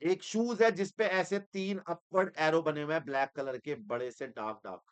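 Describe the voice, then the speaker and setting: A man teaching accounting in an energetic, teasing lecture style, switching between Hindi and English. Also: fairly high pitch, normal speed, smooth. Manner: animated, teasing, mixes Hindi with English terms.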